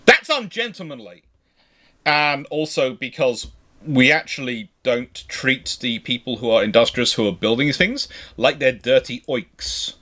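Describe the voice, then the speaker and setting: A man's voice: mid-range voice, lively intonation, a little slow, bright, forceful tone. A man hosting an unscripted history discussion, talking discursively and emphatically and often correcting himself. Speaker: naval history show host.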